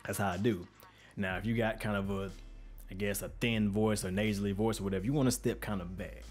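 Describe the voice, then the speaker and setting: A man with a deep, bassy voice hosting an informal, conversational tutorial in slangy everyday speech, recorded close on a studio microphone. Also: fairly even intonation, brisk, darkish tone. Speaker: music production tutorial host. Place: untreated home studio room with reflection filter. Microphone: studio microphone with pop filter, close up.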